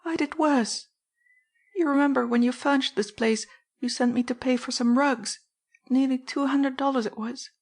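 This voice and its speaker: A woman's voice: sits high, fairly even intonation, moderate pace, pitched above the performer's own voice. A woman reading an audiobook, voicing a distraught, loyal housekeeper who pleads tearfully. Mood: wailing.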